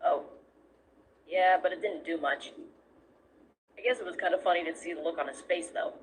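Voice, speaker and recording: A woman's voice: lowish voice, normal speed, natural voice. A woman voicing a laid-back, self-deprecating skeleton older brother in a fan comic dub, over noisy playback. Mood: wry, deflated.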